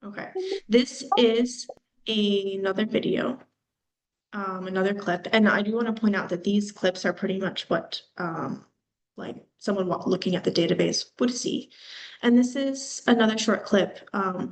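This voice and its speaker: A woman giving a presentation in a casual, explanatory way, often using fillers like "um" and "like". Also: mid-range voice. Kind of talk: conference presentation.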